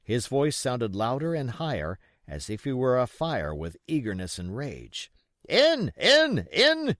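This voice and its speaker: A man's voice: mid-range voice, very animated, unhurried, a little mellow, no room sound, studio quality. A man reading an adventure novel as an audiobook narrator, in scripted storytelling style.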